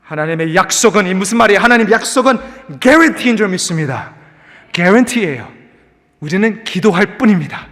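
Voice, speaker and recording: A male pastor preaching a sermon in an animated way, dropping English words into his talk. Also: high voice, fairly quick, big-room sound. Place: church sanctuary.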